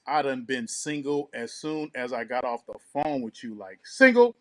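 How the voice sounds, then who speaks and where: A man co-hosting a casual radio talk show, talking in slangy, profane, animated banter and storytelling. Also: mid-range voice, normal speed, noisy background.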